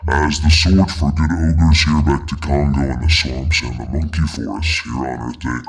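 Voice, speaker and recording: A man's voice: very deep voice, fairly even intonation, normal speed, vocal fry, pitched below the performer's own voice. A man voicing a male ogre through a voice changer, rambling casually. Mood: gruff. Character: deep gravelly male ogre.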